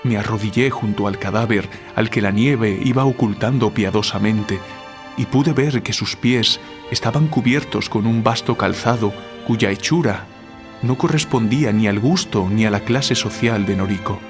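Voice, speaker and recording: Male actor as a guilt-ridden writer, deliberate and literary, lower register, music underneath, for audio drama. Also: lightly acted. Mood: solemn narrating.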